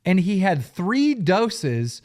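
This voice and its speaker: A man hosting a casual podcast, telling a story with animated energy and laughing into it. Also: high voice, slow pace.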